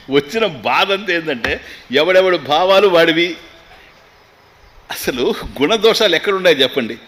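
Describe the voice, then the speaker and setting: A man giving a scriptural discourse as a swami. He chants Sanskrit lines slowly, then explains them quickly with humor. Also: mid-range voice, a bit bright.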